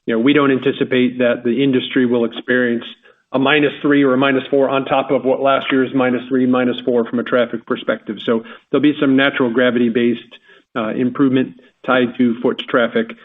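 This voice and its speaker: A man's voice: mid-range voice, little pitch movement, a little fast. Man answering on a tinny phone line. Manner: confident, emphatic business talk. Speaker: company executive. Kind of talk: earnings call answer.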